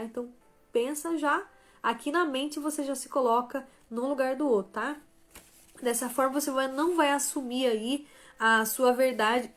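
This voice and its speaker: A woman giving a motivational Christian talk on a live stream, tagging phrases with "né?" and "tá?" and shifting between softer and stronger emphasis. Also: a little high. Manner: tags most phrases with "né?" and "tá?"; greets viewers by name mid-talk. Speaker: live stream host and author.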